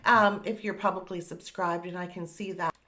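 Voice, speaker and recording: A woman's voice: lowish voice, steady tone, normal speed, pushed and bright. A woman, hosting a casual music reaction video in an upbeat, chatty way with many fillers. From Canada.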